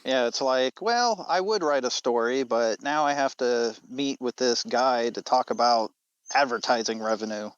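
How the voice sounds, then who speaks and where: A man's voice: mid-range voice, normal speed, smooth, no echo. A man chatting casually, recorded with slightly dull, lo-fi sound. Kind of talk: casual chat. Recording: slightly dull, lo-fi but dry audio.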